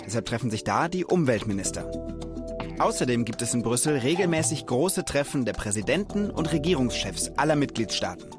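A man presenting a children's knowledge show, talking straight to young viewers in an upbeat, animated way. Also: medium pitch, a little fast, music in the background. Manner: lively, addresses viewers directly as kids.

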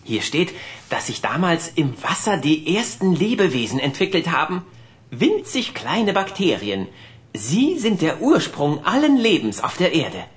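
Woman doing a know-it-all cartoon boy, low voice, lively intonation, lecturing tone. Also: unhurried. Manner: lecturing, matter-of-fact. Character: bookish know-it-all boy explorer, earnest. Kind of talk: children's cartoon voice acting.

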